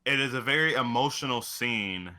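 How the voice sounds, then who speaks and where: A man's voice: mid-range voice, normal speed, bright, forceful tone, clear, resonant tone. A man co-hosting a podcast, talking casually in a profane, joking style. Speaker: podcast co-host.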